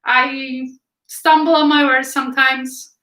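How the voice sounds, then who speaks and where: A woman's voice: high-pitched, flat delivery, takes it slowly, sharp tone, echoey room, low-quality recording. A young woman from Finland with a Finland Swedish accent, chatting casually on a live stream while painting and reading viewer comments aloud. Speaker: art livestream host. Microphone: camera filming from above.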